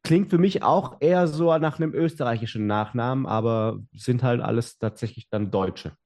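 A man's voice: mid-range voice, moderate pace, a little mellow. A young adult man, a podcast guest, telling his story in casual talk with many fillers and restarts.

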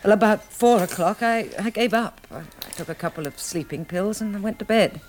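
An actress in a 1960s radio drama plays a shaken, polite, well-bred young Englishwoman, speaking hesitantly with breathless restarts. Her voice is medium-pitched, brisk and darkish yet natural, on a rough old radio recording with faint noise.

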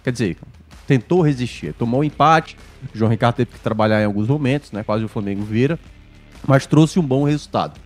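A man speaks as a sports commentator in a relaxed chat format. His voice is medium in pitch. Light music plays behind him as he talks. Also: brisk. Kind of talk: casual sports chat and analysis.

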